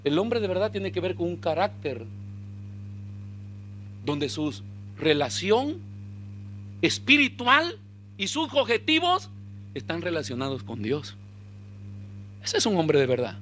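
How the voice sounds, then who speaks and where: A man delivers a lively sermon. His voice sits high and swoops widely, with a bright, sharp edge, and he rises to shouts as he acts out dialogue. A faint hum runs underneath. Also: slow, long pauses. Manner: animated preaching, shouting in peaks, acting out dialogue. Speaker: pastor.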